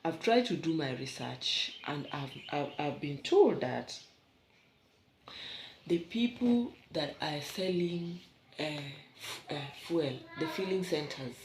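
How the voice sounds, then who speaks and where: Kenyan woman vlogger, gravelly, casual and rambling, recorded in an echoey room. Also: deep voice, lively intonation, slow pace. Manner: chatty, rambling asides to viewers. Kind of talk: casual vlog chat. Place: bedroom at home. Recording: echoey room, faint background hum.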